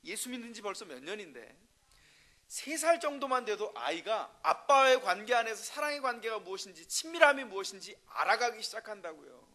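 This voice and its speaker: A man preaching a sermon as pastor, telling stories and asking the congregation rhetorical questions, dropping to a hush and then rising to loud, emphatic bursts. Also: high-pitched, very animated, brisk. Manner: swings between soft, hushed passages and loud, emphatic bursts.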